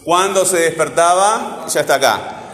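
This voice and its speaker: Man, teacher, slightly high voice, repeats questions, echoey classroom. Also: animated, moderate pace, fairly bright tone. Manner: repeats questions, prompts students. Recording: echoey hall, faint background noise.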